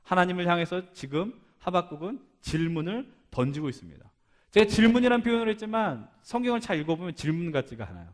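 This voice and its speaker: Male preacher, slightly high-pitched, engages the congregation with questions and dramatized prayers. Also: sing-song, quick pace, in a large hall. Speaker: pastor. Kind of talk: sermon to a young adults' service.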